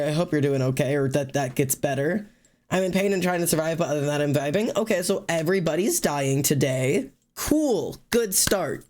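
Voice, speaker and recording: A man's voice: fairly high pitch, a little mellow. Sniffly, chatty streamer man. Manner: chatty, greets and thanks chatters by name; loose, rambling with fillers and restarts. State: sniffly, stuffy nose. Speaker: livestream host. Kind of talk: casual live-stream chat while drawing.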